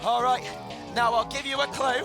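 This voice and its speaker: High-voiced guy running a kids science show on stage, gravelly, big and theatrical, music in the background. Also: moderate pace. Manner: excitable, theatrical, calls for cheers. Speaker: stage presenter. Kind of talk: live children's science show. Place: live event hall with an audience. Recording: music playing behind.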